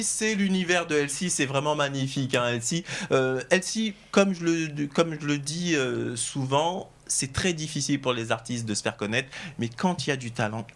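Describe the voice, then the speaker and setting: A man hosting a TV talk show, presenting in a lively, emphatic showman's way to guests and camera. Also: medium pitch. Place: TV studio.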